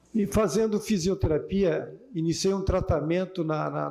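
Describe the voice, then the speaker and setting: A man keeps his intonation fairly even while noticeable background noise is heard. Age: 60s. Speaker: city councillor with Parkinson's. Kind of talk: public hearing speech. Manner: halting.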